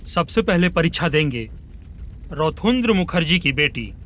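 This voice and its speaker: Declaiming ceremony announcer. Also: male voice, fairly high pitch, very animated, normal speed, a bit bright, soft background music. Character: announcer calling out the contestants. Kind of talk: dubbed film acting.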